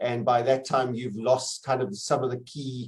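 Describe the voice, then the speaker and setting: A somewhat breathy man talks with a Cape Town accent. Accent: Cape Town South African. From South Africa, Cape Town. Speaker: webinar participant. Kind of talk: question in online webinar. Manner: halting.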